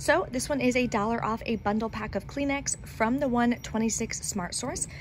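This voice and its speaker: This woman has a fairly high pitch, ordinary pitch variation and an American accent. Her tone is upbeat, with music playing in the background. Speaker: coupon channel host. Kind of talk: casual haul video. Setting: outdoors outside store. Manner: chatty, upbeat.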